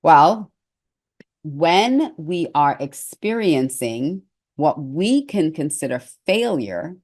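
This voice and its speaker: A woman's voice: deep voice, very animated, slow pace, darkish tone. A middle-aged woman giving an earnest, conversational motivational talk as a success coach, with hesitant restarts.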